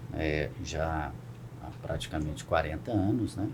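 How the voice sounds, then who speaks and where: Vocal fry runs through this man's voice as he talks at a very slow pace. Room echo is audible. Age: 60s. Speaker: sports manager. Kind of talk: podcast interview. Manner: halting, many fillers.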